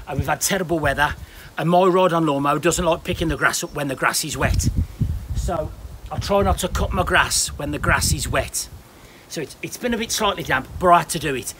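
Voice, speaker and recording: A British man who vlogs about his smallholding chats bluntly and at length to a handheld camera outside in his garden. His voice is on the high side and a bit bright, with a little hiss or hum in the recording.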